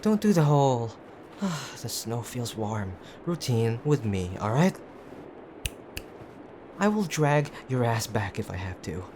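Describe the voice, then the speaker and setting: A man playing a gruff, teasing tsundere boyfriend who is frightened and tender underneath, in an intimate audio drama with brusque, halting urgency. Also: medium pitch, sing-song, warm tone. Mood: irritated, worried. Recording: clear background ambient noise.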